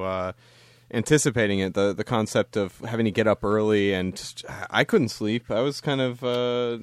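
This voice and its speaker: A man's voice: on the low side, clear, resonant tone, dry recording. A man co-hosting a radio talk show, reassuring and thoughtful in casual chat.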